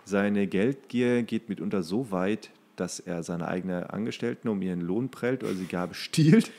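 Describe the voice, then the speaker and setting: A man's voice: on the low side, moderate pace, creaky, dark tone. A man co-hosting a casual podcast, reading entries aloud and now and then stumbling over the words. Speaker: podcast co-host.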